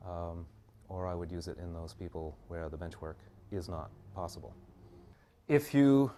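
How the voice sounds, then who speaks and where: A man teaching a hands-on bodywork class, explaining each step calmly and guiding his client's breathing slowly. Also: sits low. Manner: calm, measured explanation with slow guiding instructions. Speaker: bodywork instructor.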